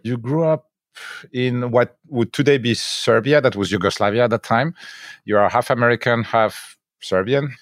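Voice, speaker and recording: A man's voice: medium pitch, no echo, studio quality. A man hosting an interview, introducing his guest and asking questions, often repeating words as he goes.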